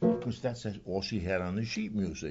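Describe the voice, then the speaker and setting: A man talks at a moderate pace with an American accent. Clear music plays in the background. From New York City. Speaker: retired silent movie pianist. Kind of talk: oral history interview. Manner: animated storytelling. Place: home room.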